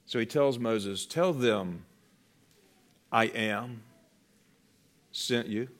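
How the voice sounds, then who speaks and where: A man preaching a sermon, slow and deliberate, letting his voice drop to a hush on key words. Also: fairly low pitch. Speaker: pastor.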